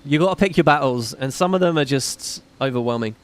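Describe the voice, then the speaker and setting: A man's voice: mid-range voice, lively intonation, brisk. A man hosting a gaming livestream, rambling casually and swearing while he reads out viewer comments. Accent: slight British. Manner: rambling, profane, self-deprecating. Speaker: gaming streamer host. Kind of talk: casual livestream chat reading donations.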